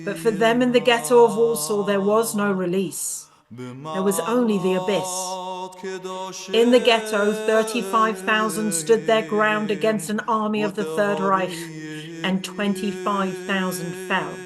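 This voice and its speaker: A woman playing a grave figure of the ghetto in a deliberate, declamatory theatrical style. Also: mid-range voice, fairly even intonation, music in the background, close to an everyday voice. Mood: reverent, solemn. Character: grave female narrator and weary ghetto tenant. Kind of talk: theatrical recitation in a stage play.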